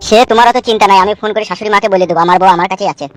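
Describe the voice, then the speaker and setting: A woman's voice: medium pitch, rapid-fire, faint music behind, pitched below the performer's own voice, natural voice. A woman voicing a hot-headed young man in a cartoon, ranting, swearing and vowing revenge. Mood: serious. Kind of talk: cartoon voice acting.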